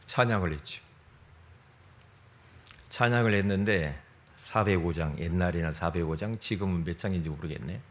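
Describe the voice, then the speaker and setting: A middle-aged man preaching a sermon as pastor, telling stories in a lively way with interjections, his throat strained. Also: low-pitched. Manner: lively storytelling with interjections and self-corrections.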